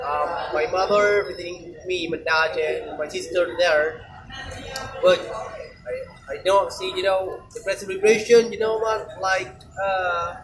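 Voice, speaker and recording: A man from Indonesia with an Indonesian accent gives a rambling casual monologue in English, halting and repeating himself, often tagging phrases with "you know". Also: high-pitched, steady tone, noisy background. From Indonesia, Aceh. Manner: halting, repetitive, frequent "you know" tags. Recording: loud music behind the voice.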